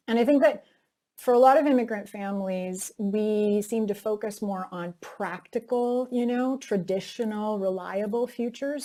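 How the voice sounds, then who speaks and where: A woman speaks in an interview at a middle pitch, neither high nor low. She tells her story in a candid, reflective way, with plenty of casual "like" and "you know" along the way. The talk is unscripted and personal. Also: dark tone. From North America. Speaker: actress interviewee.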